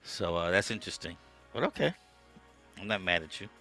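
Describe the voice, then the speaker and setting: Deep-voiced, bright-toned podcast host. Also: male voice, a little fast, soft background music. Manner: relaxed, conversational, with frequent "um" and "okay". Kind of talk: casual interview chat. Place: home music studio.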